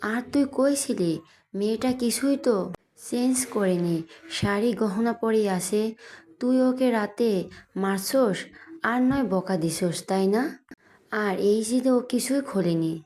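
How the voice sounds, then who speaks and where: A woman voicing a middle-aged mother who scolds her grown son in an audio story. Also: fairly high pitch. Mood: scolding. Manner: sharp, nagging, quick scolding questions.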